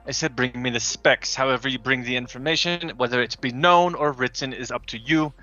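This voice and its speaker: A man playing a tabletop roleplaying game, speaking in a dry, deliberate way as he roleplays and chats. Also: medium pitch, sharp tone, lo-fi sound. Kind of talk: in-character roleplay and table chat.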